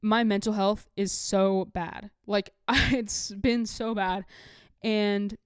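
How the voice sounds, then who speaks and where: A young woman in her late teens chats as a solo podcast host in a smooth, clear voice at a medium pitch. The recording is close and dry. Her delivery is casual and confessional, rambling along with lots of filler "like". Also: fairly even intonation, takes it slowly, no echo. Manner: rambling, heavy use of "like", candid.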